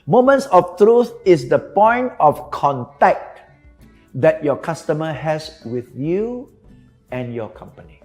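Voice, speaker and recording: A man teaching a customer service lesson, animated, laughing often and slipping into English phrases. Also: on the high side. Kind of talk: recorded training lesson.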